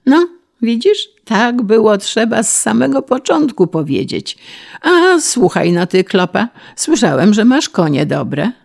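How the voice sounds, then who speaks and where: A woman voicing a bullying, shouting male district official, speaking with contempt. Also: sits high, sing-song, measured pace, creaky, pitched above the performer's own voice, full character voice. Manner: barking, contemptuous.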